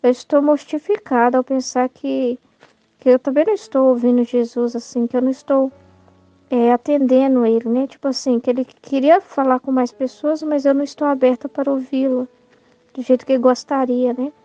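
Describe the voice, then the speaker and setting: A woman's voice: sits high, level tone, a little fast, dark tone, no room sound, highs cut off. A Brazilian woman giving informal Catholic spiritual teaching, talking conversationally, often adding "né?" and acting out quoted thoughts. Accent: Brazilian Portuguese.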